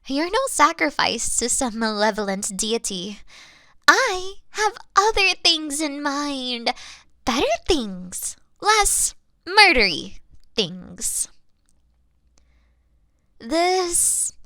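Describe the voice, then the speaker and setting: A woman playing an obsessive, lovestruck elf kidnapper in a fantasy audio roleplay, with a coy, theatrical delivery that dips into hushed tones. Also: high-pitched, no echo, clean studio sound, exaggerated voice. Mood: playfully menacing, then wistful, conceited.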